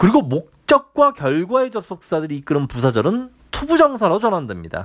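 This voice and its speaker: At a moderate pace, a man's pitch swings very widely in a very clean recording with a silent background. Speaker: English grammar teacher. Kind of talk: lecture. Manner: formal.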